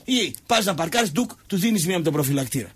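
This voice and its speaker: Husky guy with a high voice doing funny stories on radio, does the voices himself. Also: expressive. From Greece. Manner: acts out quotes in shifting voices. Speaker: radio show host. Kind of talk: comic storytelling chat.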